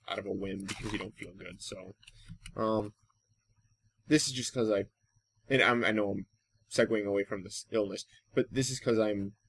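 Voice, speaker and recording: A man hosting a casual, rambling gaming commentary, thinking aloud in a halting way and trailing off. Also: on the low side. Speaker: gaming channel host.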